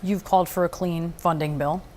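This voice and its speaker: A woman's voice: fairly low pitch, steady tone, normal speed, warm tone. A woman interviewing on a news broadcast, asking probing questions in a conversational way.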